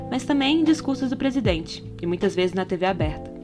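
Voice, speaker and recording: A woman's voice: medium pitch, animated, fairly quick. A Brazilian woman reading a scripted podcast essay in an explanatory manner, often posing rhetorical questions. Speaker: podcast narrator. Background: background music.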